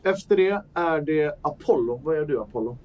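A man running a tabletop role-playing game as game master, narrating the action with lively energy. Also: a little high, dull audio, slight background noise. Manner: lively, acts out panicked shouts.

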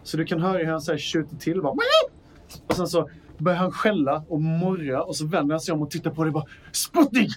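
A man's voice: a little high, steady tone, slight background noise. A man narrating as the game master of a tabletop role-playing game, in loose, chatty narration with fillers.

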